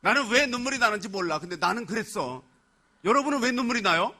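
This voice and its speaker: A male pastor from Chungcheong preaching in a lively, conversational way, acting out people's words and putting questions to the congregation. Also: sits high, fast. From Chungcheong, Korea. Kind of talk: sermon.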